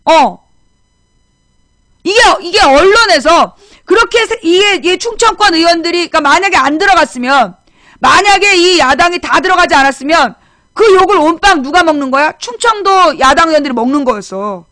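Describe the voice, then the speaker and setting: A woman's voice: very high voice, animated, normal speed, pushed and bright, no room sound. A woman hosting a political talk show, chatting bluntly and scolding, repeating her points for emphasis. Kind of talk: casual political commentary chat.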